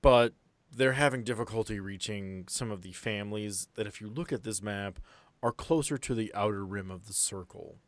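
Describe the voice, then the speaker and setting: A man's voice: fairly low pitch, normal speed, no echo. A man improvising tabletop game narration as game master, explaining things in a conversational way.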